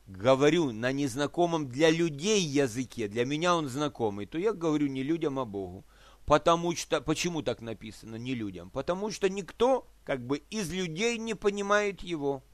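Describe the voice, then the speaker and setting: A man's voice: on the high side, lively intonation, normal speed, no room sound. A man preaching a sermon, explaining scripture with worked examples, rhetorical questions and checks that his listeners follow. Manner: asks listeners for agreement.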